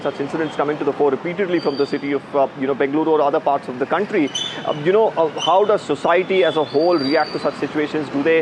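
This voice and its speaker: A man with an Indian accent giving an unscripted live news report in a halting, filler-heavy way. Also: a little high. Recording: loud outdoor street and traffic noise.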